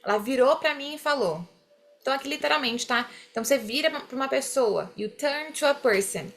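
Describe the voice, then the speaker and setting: A young woman leads an online English class with a fairly high voice. She explains things in Portuguese and slows down to model each English word. She keeps checking in with her students. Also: expressive, a bit bright. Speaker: English teacher.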